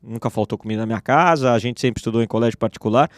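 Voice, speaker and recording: A man in his forties speaks as a guest on a radio show, his voice in a middle range. He tells his story in a relaxed, personal way. The studio sound is dry. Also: medium pitch, racing, no room sound. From Brazil. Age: 40s. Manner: relaxed, personal, with restarts and fillers. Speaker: guest, entrepreneur. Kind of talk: interview storytelling.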